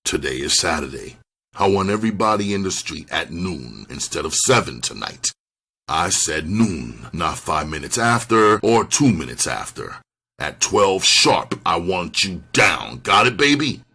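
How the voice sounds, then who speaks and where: A man's voice: sits low, sing-song, unhurried, creaky, pushed and bright, breathy edge, exaggerated voice. A man voicing a cold, menacing pimp who gives hard, commanding orders in a dramatized crime story. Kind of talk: dramatized first-person crime narration.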